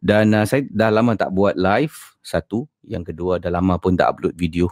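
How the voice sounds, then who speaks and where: A Malaysian man hosts a casual livestream from home, speaking with a slight slurred lisp caused by a sore, ulcerated tongue. His voice is low, steady, and a little mellow at a normal speed, captured in a dry, clean studio-quality recording.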